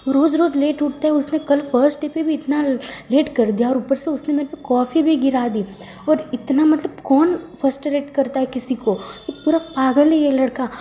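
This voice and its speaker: A woman's voice: mid-range voice, level tone, dark tone, slight background noise, close to an everyday voice. A woman voicing a short-tempered young male boss who rants and scolds. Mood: furious. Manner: scolding, rapid ranting.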